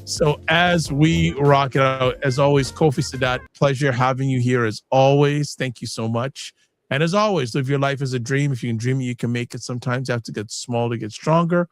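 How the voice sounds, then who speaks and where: A man's voice: mid-range voice, a little fast, faint music behind. A man hosting a live-streamed talk show, chatting casually and animatedly, often cutting himself off and joking. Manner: animated, self-interrupting, jokey. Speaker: host.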